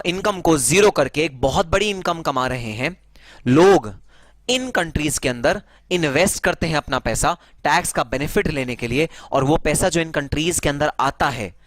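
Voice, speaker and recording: A man's voice: on the high side, a bit bright, no echo. A man teaching a tax lesson in a conversational way, mixing in English terms and calling his listeners brother. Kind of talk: classroom lecture.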